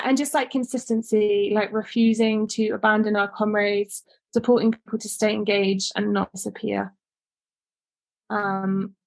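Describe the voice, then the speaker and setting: A woman's voice: medium pitch, no echo. A woman herbalist giving an informal webinar talk over a video call, casual and full of fillers like "like" and "um". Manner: casual, filler-heavy with frequent "like" and "um". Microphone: video call microphone.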